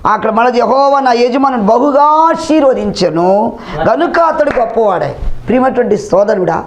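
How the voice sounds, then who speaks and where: Male pastor, high-pitched, fervent sermon delivery, echoing scripture lines back to the congregation. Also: expressive, moderate pace, dull audio. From India. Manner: preaching with repeated hallelujahs and amens; echoes the scripture reader's words back. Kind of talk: Telugu sermon with Bible readings.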